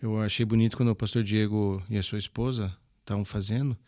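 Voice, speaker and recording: Man telling lively stories, dry sound. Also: fairly low pitch, a little fast, no room sound. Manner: animated storyteller, restarts and repeats words. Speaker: church youth ministry leader, guest. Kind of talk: casual interview chat.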